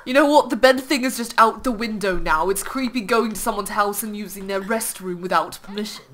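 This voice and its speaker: A woman playing a haughty, scheming young boy earl in teasing in-character gaming banter, often bursting into laughing shouts. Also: medium pitch, fairly quick, slight background noise, close to an everyday voice. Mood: amused. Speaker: channel host.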